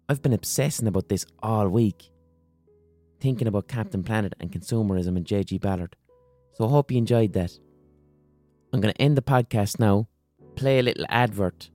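A hoarse man with an Irish accent hosting a solo podcast, talking passionately, swearing and throwing out rhetorical questions. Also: fairly low pitch, mellow, dry recording. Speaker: podcast host.

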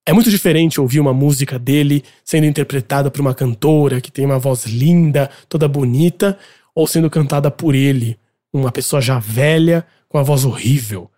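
A man's voice: medium pitch, moderate pace, mellow. A man with a Brazilian Portuguese accent, hosting a casual podcast segment and giving chatty, opinionated music commentary.

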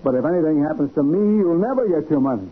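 An actor playing an anxious, evasive gentleman in debt, hesitant and pleading, in 1940s radio style. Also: fairly high pitch, expressive, fast talker, slightly rough. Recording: muffled, hissy 1940s radio recording.

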